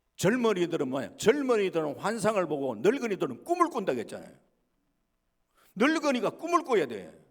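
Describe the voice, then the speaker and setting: A man speaks with very wide pitch swings. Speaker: pastor. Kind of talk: sermon. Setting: church. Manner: animated.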